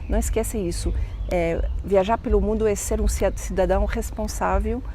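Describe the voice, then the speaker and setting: A middle-aged woman from Canada, a French native speaker, talking in a casual interview and often pausing to restart her words. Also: mid-range voice, fairly even intonation, warm tone, a little hiss or hum. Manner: thoughtful, pauses and restarts words. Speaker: interview guest.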